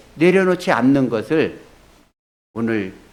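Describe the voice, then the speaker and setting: A plain, everyday voice from a man, fairly high-pitched, at a moderate pace with lively intonation. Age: 60s. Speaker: church elder preaching. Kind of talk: sermon.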